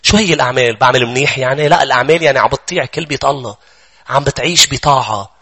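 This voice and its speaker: A man's voice: medium pitch, racing, sharp tone, slightly rough. A man preaching a sermon with a Lebanese accent, emphatic and urgent as he addresses his congregation. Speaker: pastor.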